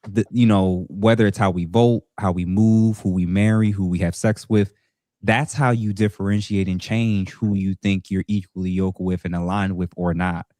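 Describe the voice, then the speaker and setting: Male host, very deep, measured and clarifying, dry studio. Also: steady tone, warm tone, no echo. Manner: measured, clarifying, affirming with frequent "mm-hmm". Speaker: podcast host. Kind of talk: moderating a panel discussion.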